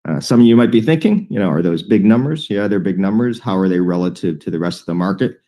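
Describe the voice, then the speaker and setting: Low-pitched, mellow male executive. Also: animated. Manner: measured, deliberate, with frequent hesitant pauses. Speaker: company executive presenting financial guidance. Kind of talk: earnings call presentation.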